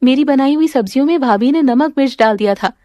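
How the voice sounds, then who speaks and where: A woman voicing a gentle, sensible young daughter-in-law who speaks politely and calmly. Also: sits high, fast talker, dry recording, clean studio sound, lightly acted. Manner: polite and calm.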